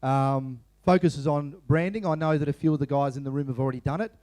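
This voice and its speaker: A man's voice: on the high side, fairly even intonation, fast talker, darkish tone. A man acting as the conference MC, introducing the next speaker in an upbeat, hype-building way. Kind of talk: event introduction. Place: conference hall.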